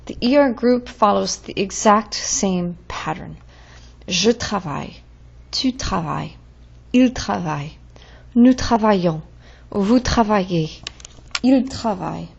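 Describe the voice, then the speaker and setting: A woman's voice: medium pitch, expressive, a little slow, gravelly, pauses often, darkish tone, husky, muffled recording. A woman teaching French verb conjugations in a patient, drilling way, as in a recorded lesson.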